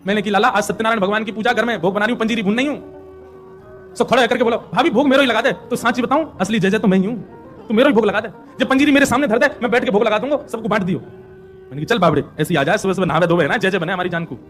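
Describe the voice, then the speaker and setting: A man doing a gossipy village milkmaid in a devotional story, scolding and complaining in a Braj accent. She talks fast and high, over faint music. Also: fairly bright tone. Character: village milkmaid, middle-aged woman, complaining.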